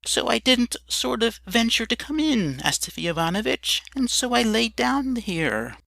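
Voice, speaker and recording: A man's voice: very high voice, very animated, a little slow, vocal fry, sharp tone, no echo, voice pushed up, heavily acted. A man voicing a meek, poor drunken man who speaks timidly and plaintively. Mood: pleading.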